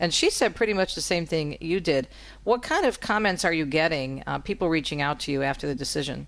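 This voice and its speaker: A woman with a very deep, low pitch, vocal fry and lively intonation is heard in a very clean recording with a silent background. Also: fairly quick pace. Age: 60s. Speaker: radio host. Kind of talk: radio interview.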